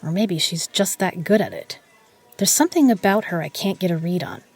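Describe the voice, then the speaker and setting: A woman playing a shrewd, proud poker legend who runs a bar, brash, sardonic and quick to swear, in an audio drama. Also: fairly low pitch, big pitch swings, darkish tone, breathy edge, faint music behind, full character voice. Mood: indignant. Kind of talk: dramatic audio roleplay acting.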